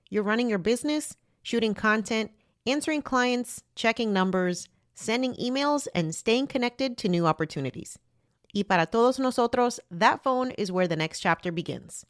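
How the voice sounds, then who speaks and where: A woman delivers a scripted podcast ad in a dry, close sound. Her pitch is average, and she slips between English and Spanish. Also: no echo. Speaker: podcast host reading an ad. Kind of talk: scripted bilingual ad read.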